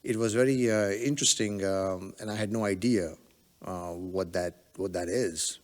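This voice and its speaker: A man from the United Arab Emirates, a podcast guest telling his career story in a relaxed, conversational way, with frequent hesitations and fillers. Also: low voice, moderate pace, in a large hall. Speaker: podcast guest, telemedicine entrepreneur.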